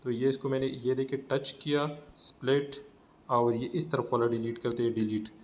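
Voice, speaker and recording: A man with a South Asian accent gives a casual software tutorial, explaining informally step by step. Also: medium pitch, level tone, moderate pace, lo-fi sound. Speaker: tutorial presenter. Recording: noticeable background noise.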